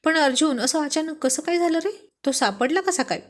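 A woman's voice: high voice, animated, normal speed, voice pushed up. Woman voicing a sweet pleading young wife. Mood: curious.

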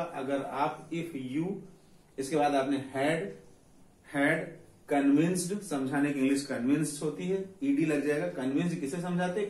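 A man teaching English grammar, slowly dictating example sentences in a classroom lesson. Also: fairly high pitch, darkish tone. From India. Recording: echoey room, voice from far off the mic.

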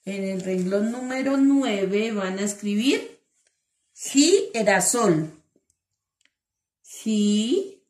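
Woman teacher, patient and slow, sounding out syllables for small children, echoey room. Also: mid-range voice, darkish tone. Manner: slow, syllable-by-syllable dictation with endearments. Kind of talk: online class for young children.

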